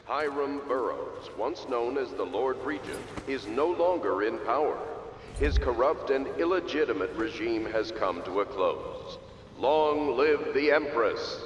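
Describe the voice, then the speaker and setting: A man voicing a formal city crier over public loudspeakers, measured and official. The voice echoes with long reverb and a faint hiss, in a video game. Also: medium pitch, expressive, highs cut off, natural voice.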